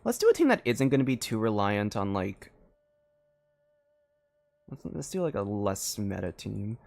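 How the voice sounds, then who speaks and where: A man's voice: fairly low pitch, very animated, measured pace, vocal fry, darkish tone. A man giving casual live commentary as a game streamer, thinking aloud in a hesitant way.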